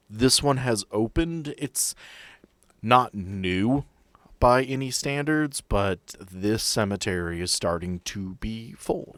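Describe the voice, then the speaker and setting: A man's voice: on the low side, fairly bright tone, dry recording. A man working as game master, improvising narration for a tabletop role-playing game.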